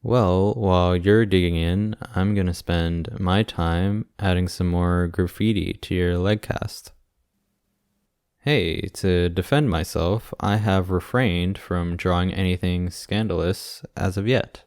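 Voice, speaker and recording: Casting: male actor as doting young boyfriend for ASMR roleplay, low smooth voice, gently teasing. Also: takes it slowly, no room sound, clean studio sound. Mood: joking, teasing. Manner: teasing, sweet, gently joking. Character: affectionate, playful young boyfriend visiting hospitalised partner.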